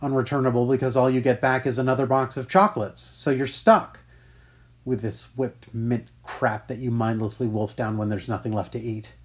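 A man's voice: fairly even intonation, moderate pace, lightly acted. A man playing a jaded, cynical middle-aged conspirator in a weary, sardonic dramatic monologue. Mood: weary bitterness. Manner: weary, sardonic, low-key. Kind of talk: dramatic monologue for voice-over demo.

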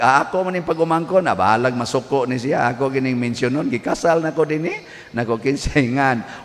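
A man with a Cebuano accent, a priest giving a humorous homily, telling jokes in an animated storyteller's way. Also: mid-range voice. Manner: joking storyteller, animated asides. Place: large church. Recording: distant voice with long hall reverb, faint background noise.

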